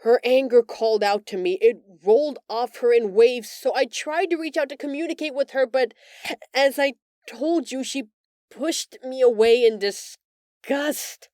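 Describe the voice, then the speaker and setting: A woman playing a gentle, empathetic female alien in an intimate audio roleplay, speaking earnestly and hesitantly with emotional pauses. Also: high voice, no echo, studio quality. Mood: wistful. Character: gentle, remorseful female alien, empathetic, recounting her escape from captivity.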